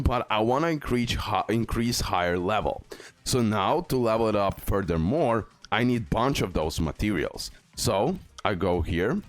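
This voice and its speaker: Speaking English as a non-native language, this man, a gaming video creator and guide, walks viewers through a mobile game in a casual, instructive way, going over his key tips repeatedly and with emphasis. His voice sits in the mid-range, and the recording is dry.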